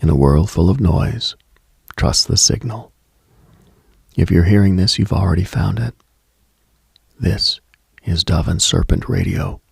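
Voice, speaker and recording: A man hosting late-night radio, delivering a slow, atmospheric monologue in a hushed, deliberate, husky voice that slips toward a whisper. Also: sits low, no room sound, clean studio sound. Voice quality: gravelly, husky, breaking into whisper. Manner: hushed, deliberate, storytelling with pauses.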